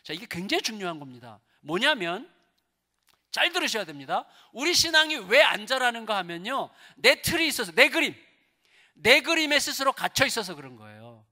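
Middle-aged male pastor, sermon delivery, high and lively, questions the pews often, long church-hall reverb. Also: a little fast. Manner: animated, asks the congregation many rhetorical questions, swings between soft and loud. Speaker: guest pastor preaching at a revival service. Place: church sanctuary.

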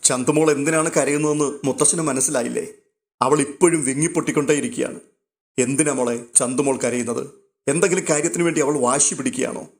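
A man's voice: medium pitch, fast talker, lightly acted. A man voicing a caring young woman who pleads earnestly and persuasively, as in a storybook read aloud. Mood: pleading.

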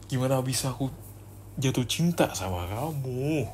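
A man's voice: mid-range voice, expressive, moderate pace, darkish tone, slight background noise, natural voice. A young man voicing a cold, dismissive husband in an arranged marriage, in a spoken ASMR role-play. He talks bluntly in casual slang and slips English phrases in between.

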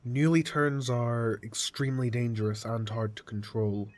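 A man playing a calm, formal hospital doctor in an audio drama, speaking in a measured, matter-of-fact way. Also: mid-range voice, natural voice. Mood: firm, formal. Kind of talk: amateur audio drama acting.

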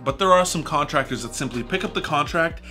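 A man's voice: fairly high pitch, fairly quick, faint music behind. A man in his thirties, a home renovation vlogger, giving jokey scripted advice to camera from a small home studio. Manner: animated, jokey, gestures widely with his hands.

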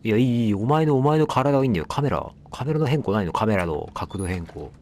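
Chatty man doing lively game commentary. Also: medium pitch, quick pace. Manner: chatty, talks back at the game, apologizes for noise. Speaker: let's play gamer.

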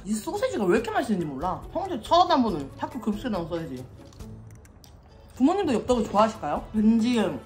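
Young woman, rapid and lively, talking through a full mouth, faint music underneath. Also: fairly high pitch. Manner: chatty, fast-talking, playful. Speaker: mukbang vlogger. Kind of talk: casual eating chat.

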